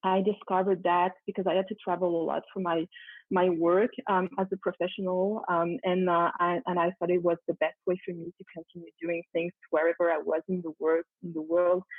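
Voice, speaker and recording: At a moderate pace, a woman speaks with a fairly low pitch and monotone, flat intonation. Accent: French. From France. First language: French. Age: 50s. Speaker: Ayurvedic health counselor and yoga teacher. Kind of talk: podcast interview. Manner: halting, many fillers.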